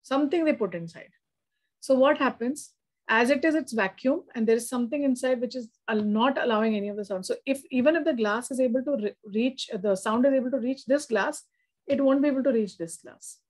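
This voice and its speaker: A woman with a South Asian accent gives a one-to-one lesson. Her voice sits a little high. She explains as a tutor does, often adding short tags to check that the student follows. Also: a little fast, darkish tone. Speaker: physics tutor.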